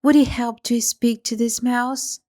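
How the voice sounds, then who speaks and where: A woman's voice: a little high, steady tone, measured pace, darkish tone, close to an everyday voice. A woman doing a polite, curious young girl.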